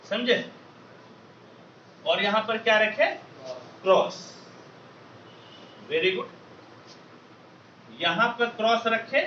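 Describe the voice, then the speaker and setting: A man with a high, bright, forceful voice teaches maths to a class, drilling students with call-and-response questions. The lecture was recorded on a distant lo-fi mic in an echoey classroom, with a slight hiss or hum.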